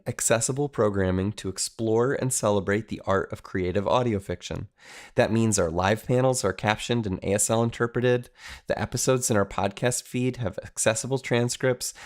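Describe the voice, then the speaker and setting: A man's voice: medium pitch, darkish tone. A man speaking as an announcer for his organisation, reading scripted promotional narration. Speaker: festival team member, announcer.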